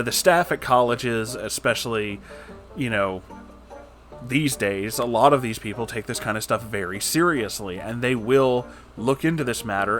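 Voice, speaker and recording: A man's voice: mid-range voice, a bit bright. A man hosting in a casual, rambling, informal style, chatting to viewers with joking asides and some swearing. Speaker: host reading and reacting to stories.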